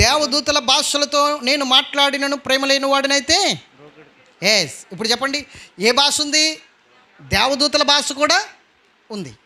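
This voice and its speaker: A male pastor delivers an emphatic sermon. His voice sits very high and rings bright and sharp. He keeps pressing the congregation with questions.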